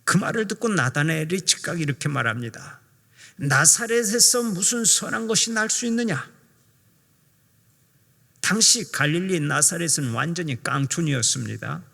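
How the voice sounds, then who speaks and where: A man's voice: fairly high pitch, creaky, a bit bright. An older man from Jeolla, a pastor preaching a sermon and acting out the people he quotes, in an earnest way. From Jeolla, South Korea. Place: church sanctuary. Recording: church hall reverb.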